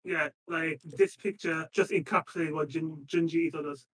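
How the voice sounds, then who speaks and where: A man's voice: fairly high pitch, steady tone, normal speed, a bit bright. A man in his twenties in a casual chat with friends, who laughs often and jumps in with his own points. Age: 20s.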